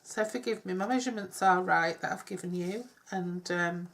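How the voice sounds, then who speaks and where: A middle-aged woman with a cold, chatting her way through a craft demonstration with soft, self-deprecating asides. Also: fairly low pitch, moderate pace, a little hiss or hum. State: congested with a cold. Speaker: craft tutorial host. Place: home craft table. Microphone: overhead camera on hands, speaker off-screen.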